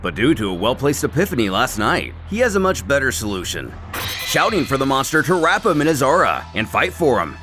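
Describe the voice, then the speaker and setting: A man's voice: mid-range voice, very animated, fairly quick. A man giving a scripted story narration in a wry, playful, dramatic way. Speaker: narrator of a comic recap series. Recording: music under the voice. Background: background music.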